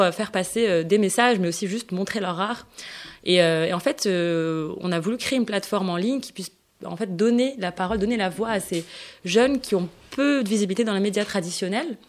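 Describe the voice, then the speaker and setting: A woman in her thirties, a novelist guest on a local radio show, speaking at a medium pitch. She answers thoughtfully but haltingly, with frequent fillers and restarts as she searches for words. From Morocco. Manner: hesitant, many fillers and restarts.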